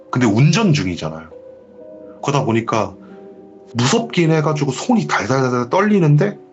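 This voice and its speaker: Lively man retelling a ghost story. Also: mid-range voice, lo-fi sound. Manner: animated storytelling, acting out quoted lines. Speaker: horror story radio host.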